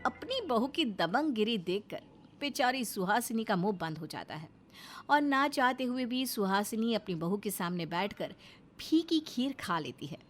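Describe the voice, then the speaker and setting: A woman narrating a cartoon story in an expressive storytelling manner. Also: on the high side.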